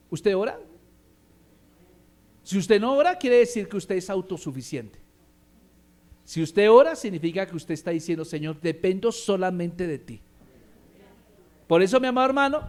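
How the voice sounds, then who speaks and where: A man's voice: high voice, a little mellow. A male pastor with a Colombian accent, preaching emphatically and calling on the congregation to respond. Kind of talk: sermon.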